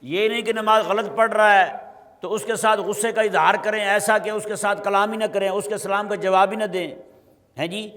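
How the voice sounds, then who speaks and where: A man preaches a Friday sermon in a bright, high voice. He recites short Arabic phrases, then explains each one and checks in with his listeners through rhetorical questions. His voice carries a long reverb, as from a large mosque hall. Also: fairly even intonation.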